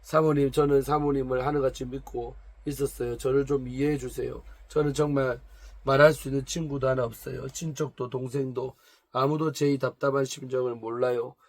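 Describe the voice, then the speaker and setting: A man's voice: medium pitch, little pitch movement, a little fast, lightly acted. A man reading as a proud, complaining 45-year-old woman. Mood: pleading. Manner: complaining, defensive, pleading. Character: proud, tearful woman of 45 from a noble family. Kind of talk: reading a story aloud.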